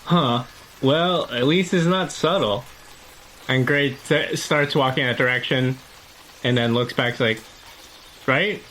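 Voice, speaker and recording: A man's voice: medium pitch, slow pace, long pauses, a bit bright, slight background noise, poor audio. A man chatting casually as a player in a tabletop game.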